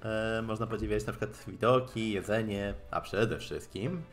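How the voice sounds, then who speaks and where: A man with a fairly low voice streams a game over faint background music. He reads the dialogue out in a halting way and drops in wry asides as he goes. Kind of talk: live game stream, reading dialogue aloud and commenting.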